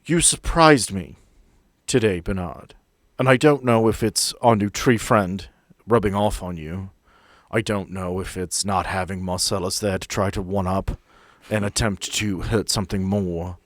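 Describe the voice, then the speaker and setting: A man playing a stern, measured female agency boss who speaks formally and deliberately in a tabletop game. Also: sits low, no echo, studio quality. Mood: stern, measured approval. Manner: deliberate, emphatic, formal phrasing.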